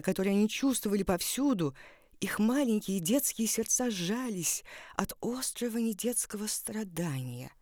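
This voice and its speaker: A woman reads literary prose as a dramatic narrator. Her delivery is deliberate and expressive, at a medium pitch, recorded dry and close. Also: no echo.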